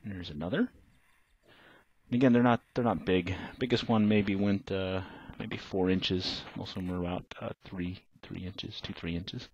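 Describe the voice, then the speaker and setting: A man's voice: low voice, measured pace, a little mellow, husky, highs cut off. A middle-aged man, narrating his fishing trip in a laid-back, plain-spoken way with lots of uh fillers. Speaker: fishing vlogger. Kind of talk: casual voice-over narration.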